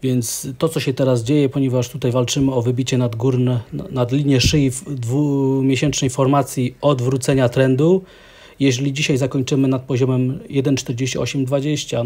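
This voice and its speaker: A man with a mellow, darker voice delivers steady market commentary as an analyst. He talks in a measured way, pausing often with small hesitations as he works through each chart. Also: medium pitch.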